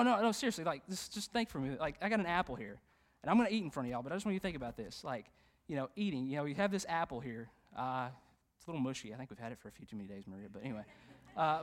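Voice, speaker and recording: A man, a youth pastor preaching a sermon in a church, animated and conversational, with frequent fillers and jokes. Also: fairly high pitch, racing. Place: church sanctuary.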